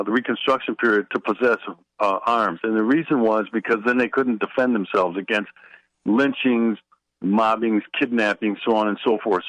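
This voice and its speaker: Halting male AM radio guest, dry sound. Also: mid-range voice, fairly bright tone, no room sound, muffled recording. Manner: halting, repeats words while thinking. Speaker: guest author. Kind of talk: AM radio interview talk.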